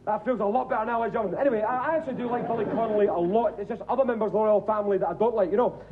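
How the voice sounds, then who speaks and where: Brief: Scottish stand-up, high-pitched, sneering delivery, tinny lo-fi TV audio with crowd. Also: male voice, racing. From Scotland. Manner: sardonic, stammering, mock-dramatic. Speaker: stand-up comedian. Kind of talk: abrasive stand-up routine. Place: studio stage before a live audience. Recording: tinny lo-fi TV recording with audience.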